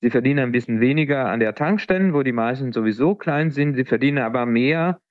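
A man's voice: medium pitch, quick pace, no echo, narrow, tinny audio. A man from Italy, a native Italian speaker, answering as an economist in a radio interview, hesitant with many fillers. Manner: hesitant, many ums and uhs.

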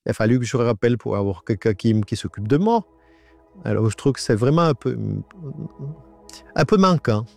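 A man in his nineties gives a halting personal testimony in a radio interview. His voice is disguised by an AI voice changer. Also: medium pitch, expressive, a little mellow, soft background music. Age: 90s. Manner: halting, with many restarts and repetitions. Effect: voice altered by an AI voice changer.

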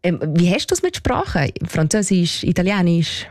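A woman's voice: on the low side, big pitch swings, normal speed, darkish tone, no room sound, clean studio sound. A woman hosting a radio interview, chatty and rambling with her questions. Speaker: radio host.

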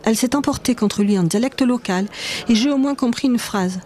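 A woman narrating her own memoir in a measured, reflective reading. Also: on the high side, dark tone.

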